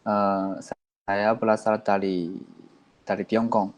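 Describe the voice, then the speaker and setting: A man of twenty-three from China, a native Mandarin speaker with a Chinese accent, haltingly introducing himself. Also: fairly low pitch, level tone, muffled recording. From Shandong, China.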